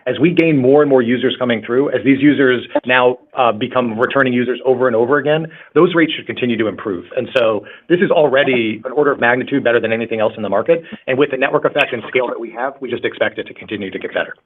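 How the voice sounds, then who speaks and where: A man, a company executive, answering questions on an earnings call in a halting way, repeating words. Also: medium pitch, slight background noise. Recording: muffled narrow-band conference call line.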